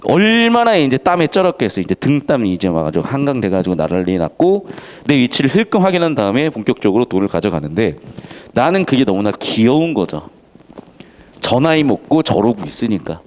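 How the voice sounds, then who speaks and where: Male teacher, casual lecture, lively swooping pitch, acts out story lines. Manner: casual, animated, acts out characters' lines in quick asides. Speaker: Korean literature teacher.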